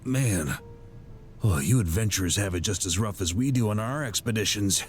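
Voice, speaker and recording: A man's voice: on the low side, expressive, moderate pace, soft background music, lightly acted. An actor playing an easygoing, hard-drinking male adventurer in a video game. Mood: friendly, rueful. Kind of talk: scripted game character voice lines.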